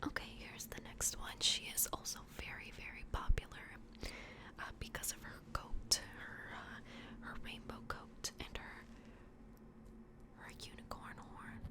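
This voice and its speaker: A woman doing a soft-spoken, whispered ASMR personal-attention roleplay as an adoption worker, gentle, hushed and reassuring. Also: a little slow. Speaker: ASMR roleplay host playing a plush toy adoption worker.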